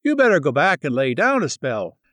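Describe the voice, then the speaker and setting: A chatty old country granny, as a male reader puts her on, her voice high and swooping, spilling out folksy dialect as she rambles. The sound is close and dry. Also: huge pitch swings, a little fast, a bit bright, dry recording. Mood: gushing. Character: chatty old rural countrywoman, warm-hearted.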